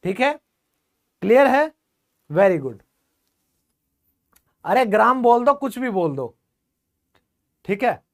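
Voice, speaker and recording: A male teacher giving an online grammar class, chatty and constantly checking with his students through quick questions. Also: high-pitched, very animated.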